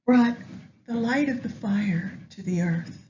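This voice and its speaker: A woman leading a guided meditation with astrology, speaking gently and in measured short phrases with long pauses. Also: mid-range voice. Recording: dull lo-fi sound, faint background noise.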